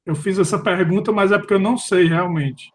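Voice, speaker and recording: A man's voice: sits high, fairly even intonation, brisk, a little hiss or hum. A Brazilian man in a casual group discussion, questioning and unsure, often restarting words, heard over a video call. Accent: Brazilian Portuguese. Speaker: philosophy study group participant.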